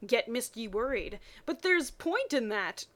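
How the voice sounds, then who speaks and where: A lovestruck teenage boy, acted by a woman reader, talks in a fairly high voice. He sounds earnest and dreamy, with melodramatic delivery suited to a fan fiction story. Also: very animated, unhurried, a bit bright.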